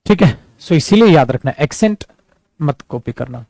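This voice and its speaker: A man with an Indian accent teaching a spoken English lesson, explaining in Hindi and repeating English example sentences slowly while he encourages his students. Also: on the high side, expressive, creaky, a little mellow, no echo. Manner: encouraging, calls students "beta".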